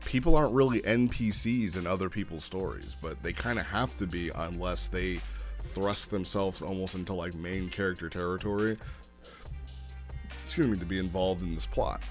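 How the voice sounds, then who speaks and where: Low-voiced man, casual review host. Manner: conversational, opinionated. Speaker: host reviewing roleplay logs. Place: home recording studio.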